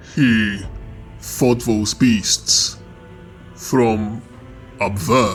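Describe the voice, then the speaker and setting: A man's put-on character voice at medium pitch, with clear music in the background. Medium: read story. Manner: blunt, clipped.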